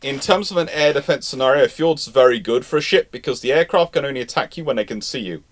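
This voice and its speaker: A man's voice: medium pitch, expressive, fast talker. A man hosting a live question-and-answer talk on history, speaking in an explanatory way. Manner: explanatory, reads questions aloud then answers.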